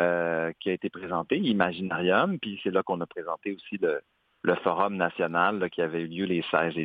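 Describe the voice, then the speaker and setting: Talking at a moderate pace, a man has a very deep, low pitch. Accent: Quebec. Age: 50s. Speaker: actor and social entrepreneur. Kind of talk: radio interview. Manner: halting.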